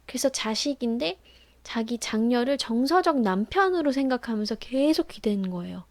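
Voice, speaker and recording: A woman giving earnest advice on family relationships, often dropping to a soft whisper. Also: on the high side, lively intonation, moderate pace, no room sound. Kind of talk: casual advice talk to camera.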